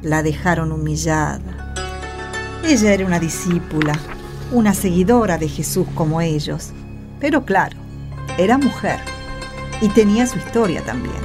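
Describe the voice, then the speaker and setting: A woman's voice: on the low side, normal speed, long pauses, lightly acted. A woman acting a reminiscing storyteller, narrating a radio drama reflectively. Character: reminiscing storyteller who loves trees, follower of Jesus. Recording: clear music under the voice.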